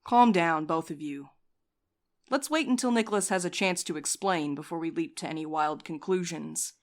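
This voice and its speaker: A woman voicing a composed, wry courier in an audio drama, calmly taking charge and teasing the others. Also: on the low side, normal speed, lightly acted. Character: dry, scheming woman courier, coolly in charge. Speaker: night courier Val.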